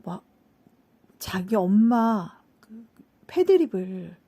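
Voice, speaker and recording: Husky woman retelling a story casually. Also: mid-range voice, very animated, very slow, dark tone. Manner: loose, filler-heavy storytelling, acting out quoted lines. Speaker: channel host.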